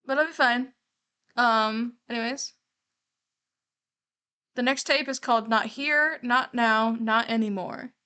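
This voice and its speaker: Casting: female livestreamer, fairly high voice, candid and casual, thinks aloud while reacting. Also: slow, long pauses, sharp tone, clear, resonant tone. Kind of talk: casual reaction commentary on a horror series.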